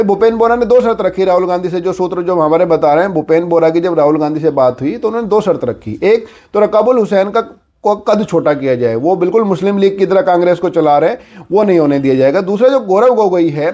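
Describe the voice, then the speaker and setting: Male news commentator, high voice, informal explainer delivery peppered with verbal fillers. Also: mellow. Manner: conversational explainer with repeated filler phrases.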